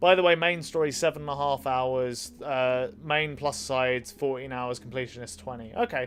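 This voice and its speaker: This man speaks with a British accent at a moderate pace. His intonation is fairly even, and he hardly pauses at all. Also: medium pitch for a man. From UK. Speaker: game streamer. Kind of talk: live game stream commentary. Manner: casual, chatty.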